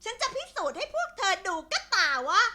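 Shrill cackling pie-selling witch, very bright, swooping, for a kids' tale. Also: sing-song, fairly quick, a little hiss or hum, heavily acted. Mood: defiant. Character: frizzy-haired witch selling junk-food pies. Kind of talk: children's storybook voice acting.

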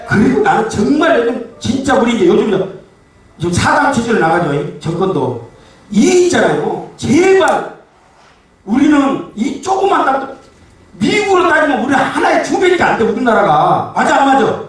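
A man performing live stage comedy, joking crudely with the audience, laughing and shouting at the crowd and the crew. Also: very high voice, very animated, normal speed. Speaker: pumba street-comedy performer. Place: concert hall stage. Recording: very echoey hall, distant and faintly noisy.

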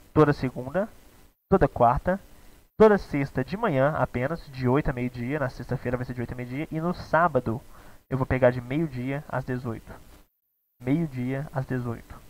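A man's voice: medium pitch, rough recording. A young man with a Brazilian Portuguese accent, teaching a live online English class in a casual, chatty way, often checking in with his students.

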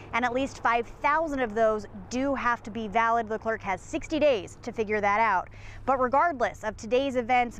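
Bright-voiced woman field reporter. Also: fairly high pitch, a little hiss or hum. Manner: clear, measured newscast delivery. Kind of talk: live news report and voice-over. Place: outdoors at night outside a library.

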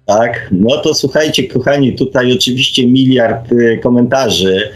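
A man's voice: medium pitch, a little slow. A man hosting a live call-in radio discussion, speaking hesitantly as he searches for words. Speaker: radio host.

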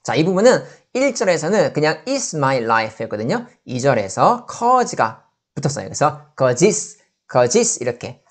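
A woman with a Korean accent, teaching the pronunciation of pop song lyrics. She says each phrase slowly and breaks it apart to show how the sounds join. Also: low voice, very animated.

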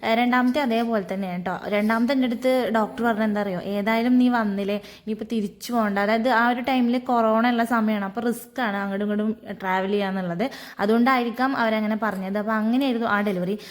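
A woman's voice: on the high side, steady tone, quick pace. A woman, chatting casually in a vlog, with many fillers and friendly tags. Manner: chatty, frequent fillers and tag "ട്ടോ". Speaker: vlogger.

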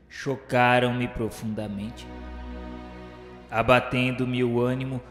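A man's voice: mid-range voice, close to an everyday voice. Man acting a solemn remorseful spirit in cavernous reverb. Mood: solemn, burdened. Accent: Brazilian. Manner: solemn, formal, declamatory. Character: remorseful male spirit of a suicide, solemnly recalling his suffering. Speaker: narrator character in a radio drama. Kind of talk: dramatic first-person narration of a religious radio novel. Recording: echoey long reverb with music behind. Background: music.

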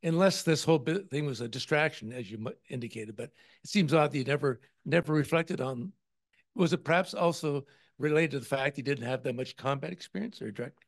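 A man's voice: mid-range voice, a little fast, dry recording. A man in the audience asking an earnest, pressing question in a meeting room.

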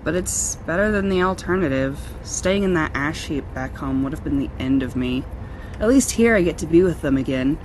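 A woman's voice: low-pitched, expressive, normal speed, background noise. A woman playing an eager, hopeful traveler who thinks aloud in a chatty, reflective way in a radio drama.

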